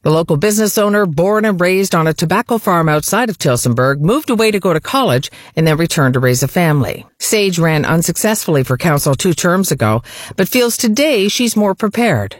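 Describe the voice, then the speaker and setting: A woman reading a local radio newscast in a crisp, practiced way. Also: on the low side, fairly quick, no room sound, clean studio sound. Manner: crisp, lively newsreader delivery. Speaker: local radio news anchor. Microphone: studio microphone.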